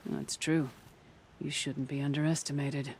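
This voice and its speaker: A woman's voice: deep voice, level tone, a little slow, heavy background noise. A woman playing a stern tribal trial-giver in a video game, speaking tersely and formally. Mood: stern, appraising. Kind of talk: video game cutscene acting.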